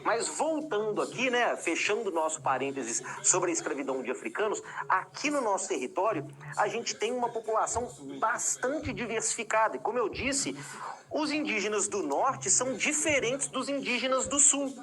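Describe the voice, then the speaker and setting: A woman's voice: medium pitch, expressive, normal speed, a bit bright, slight background noise. A woman with a Brazilian Portuguese accent teaching a history lesson, explaining patiently and checking in with her students often. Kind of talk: recorded classroom lesson.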